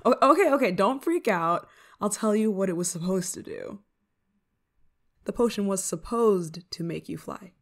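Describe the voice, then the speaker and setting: A woman's voice: mid-range voice, lively intonation, normal speed, close to an everyday voice. A woman playing a flustered, affectionate novice witch in an ASMR roleplay, speaking in a hesitant, fretful way. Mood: panicked. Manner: hesitant, stammering, fretful, sighing. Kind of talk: ASMR roleplay monologue to the listener.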